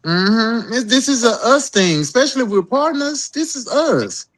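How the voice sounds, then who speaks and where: A woman's voice: a little high, big pitch swings, normal speed. A trans woman co-hosting a podcast, talking heatedly in a casual group chat, repeating words, cursing and calling the others "girl". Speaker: podcast co-host.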